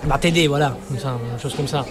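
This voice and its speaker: A man's voice: mid-range voice, fast, a crowd in the background. Man searching for French words. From Sicily. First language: Sicilian. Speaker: musician guest. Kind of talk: radio interview.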